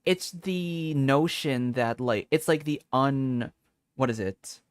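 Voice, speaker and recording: A man giving casual commentary on a game, thinking aloud in a halting, repetitive way. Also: mid-range voice, clean tone, dry recording, studio quality. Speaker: streamer. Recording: game music behind the voice.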